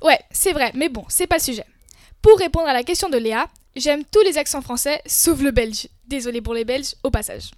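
A young woman co-hosting a scripted debate show, lively and opinionated. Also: high-pitched, normal speed, no room sound, clean studio sound. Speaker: co-host.

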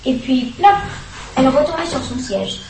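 A woman reading a children's storybook aloud, lively and expressive. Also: high voice, moderate pace, roomy sound, far from the mic, slight background noise, poor audio. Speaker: reader.

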